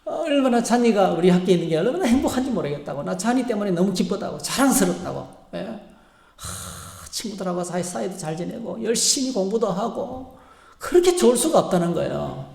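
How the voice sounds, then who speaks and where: A schoolteacher gushing with praise for a parent, in a lifted, cheerful voice. A male preacher performs the part. A gravelly edge and a reverberant church room surround it. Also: sits high, big pitch swings, a little fast, darkish tone, voice pushed up, heavily acted. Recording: echoey church sanctuary.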